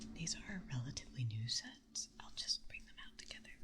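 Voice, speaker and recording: Soft-spoken delivery at a fairly slow pace. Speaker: VTuber, ASMR creator. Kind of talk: ASMR ramble showing a dice collection.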